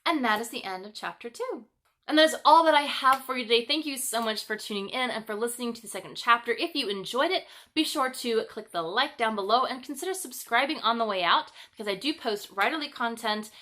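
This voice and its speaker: A woman author hosting her own video, with expressive storybook narration and chatty vlog talk. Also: a little high, brisk.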